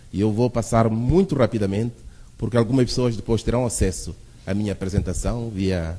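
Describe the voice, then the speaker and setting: A man with a dark, mellow tone at medium pitch, in a Mozambican accent, with ordinary pitch variation and a fairly quick pace. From Mozambique. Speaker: panelist speaker. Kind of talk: conference presentation.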